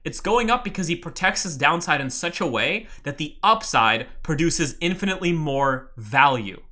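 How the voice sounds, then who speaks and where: A trading mentor teaching a live webinar, excitable and profane, often bursting into loud exclamations. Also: mid-range voice, normal speed.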